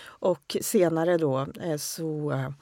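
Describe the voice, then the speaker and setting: Gravelly-voiced woman, assured and opinionated. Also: low voice, steady tone, warm tone, no room sound, studio quality. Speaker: guest. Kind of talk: podcast discussion.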